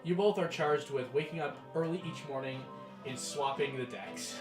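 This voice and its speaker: Game master, young man, fairly high voice, rambling narration; echoey room with music playing. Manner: rambling, many fillers, quick bursts.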